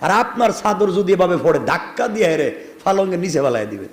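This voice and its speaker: A male preacher, telling a story in a sermon, throwing rhetorical questions at the crowd and chanting Arabic phrases slowly. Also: high voice, big pitch swings. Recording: echoey.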